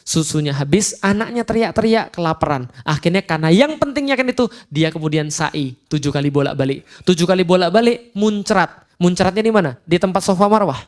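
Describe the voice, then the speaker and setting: A man giving a casual Islamic lecture, telling stories with jokes, acting out dialogue and reciting Quran verses slowly. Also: sits high. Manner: animated storytelling, acts out dialogue with jokes. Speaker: preacher.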